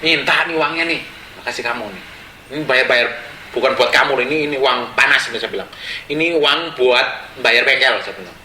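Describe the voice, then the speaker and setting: A pastor, preaching with animated storytelling and acting out the people in his stories. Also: medium pitch, a little fast, slight background noise. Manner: animated, acts out quotes and laughs along. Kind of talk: storytelling sermon. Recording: echoey room with faint ambience.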